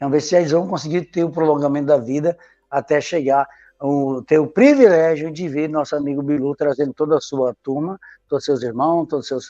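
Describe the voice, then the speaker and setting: Over a quiet background, a man speaks at a fairly quick pace with a dark, mellow tone. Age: 60s. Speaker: ufology channel host. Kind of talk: heated rant. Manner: animated.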